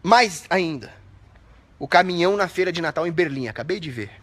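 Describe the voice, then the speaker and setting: This livestream host is a young Brazilian man whose voice sits on the high side, expressive and brisk. Speaking with a Brazilian Portuguese accent, he calls out viewers by name as he reads their comments, breaking off into profane, indignant tirades.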